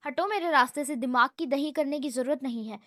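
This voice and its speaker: A woman reads a rude young man who yells at everyone. He is hot-headed and easily offended, and he barks his lines in a high voice. The recording is close and dry. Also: dry recording. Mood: angry shouting. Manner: shouting, indignant outbursts.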